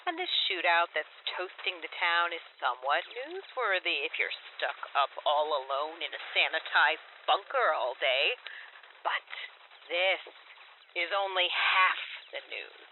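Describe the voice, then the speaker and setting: A woman's voice: lowish voice, very animated, measured pace. Tough wasteland woman for audio drama: wry, sarcastic, tinny broadcast with faint background noise. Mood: wry, addressing robot. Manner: blunt, wry. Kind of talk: full-cast audio drama acting.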